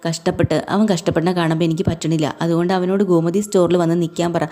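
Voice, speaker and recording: A worried middle-aged father and shopkeeper presses his point in a retold TV serial scene, as a woman storyteller voices him. He talks fast in a low, mellow voice. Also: level tone, natural voice. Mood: insistent.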